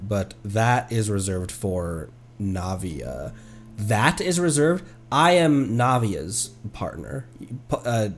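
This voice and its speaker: Very animated man streaming, wry asides. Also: mid-range voice. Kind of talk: casual reaction commentary on a game stream.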